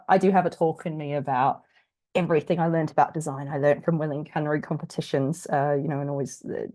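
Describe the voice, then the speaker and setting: A woman from New Zealand runs a workshop over a video call, her voice husky and croaky as she gets over being sick. She talks in a chatty, self-deprecating way, full of "um" and "sort of", in a fairly low and mellow tone. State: croaky, recovering from illness. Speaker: workshop presenter. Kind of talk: casual online workshop talk.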